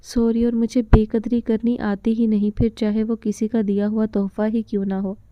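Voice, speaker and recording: A woman reading the lines of a gentle, modest young woman in a storybook, with a slightly dull recording. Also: fairly high pitch, little pitch movement, normal speed, no echo, lightly acted. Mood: lively.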